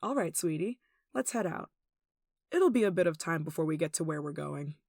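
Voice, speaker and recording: A woman's voice: low-pitched, lively intonation, moderate pace, vocal fry, a little mellow, no echo, clean studio sound, heavily acted. A woman playing a tall, possessive, lovesick kidnapper in an intimate ASMR roleplay, cooing and coaxing with sweet menace, sighs and giggles. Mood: sweet, menacing.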